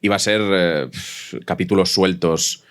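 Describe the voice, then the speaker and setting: A man's voice: low voice, fairly even intonation, measured pace, fairly bright tone, smooth. A man with an accent from Spain, chatting colloquially on a panel and often interrupting himself. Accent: Spanish from Spain. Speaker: podcast fiction creator, panelist. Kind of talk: casual panel discussion.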